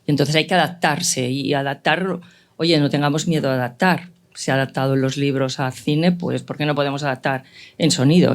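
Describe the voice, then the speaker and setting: A woman's voice: low-pitched, darkish tone. A woman moderating an informal panel, explaining her view and posing questions with frequent small checks for agreement.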